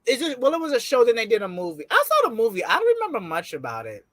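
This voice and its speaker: A young adult woman co-hosting a casual TV review show at home, chatty and quick to laugh, with loose slang. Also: a little high, huge pitch swings, no room sound, clean studio sound.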